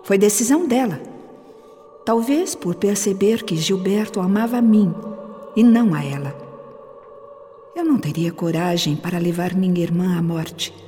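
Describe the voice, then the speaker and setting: A woman's voice: mid-range voice, normal speed, long pauses, warm tone, close to an everyday voice. An actress with a Brazilian accent playing a cold, resentful young woman justifying herself in an introspective radio drama monologue. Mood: defensive, subdued. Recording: long reverb, music behind.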